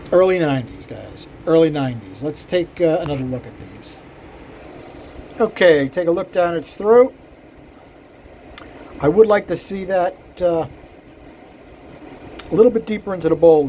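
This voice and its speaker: An older man who ports cylinder heads talks shop casually to his viewers, rambling and self-deprecating, with plenty of fillers. His voice is mellow and medium-pitched, though the audio is poor with slight background noise.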